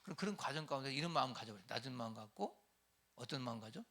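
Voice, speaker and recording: A middle-aged man pastor preaching a lively sermon to church leaders, acting out everyday quarrels in raised voices. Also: medium pitch, rapid-fire.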